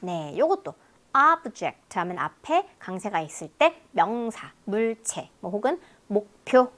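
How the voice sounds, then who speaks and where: A woman teaching English listening in a lecture, explaining word pairs in a lively, talkative way. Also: medium pitch, unhurried.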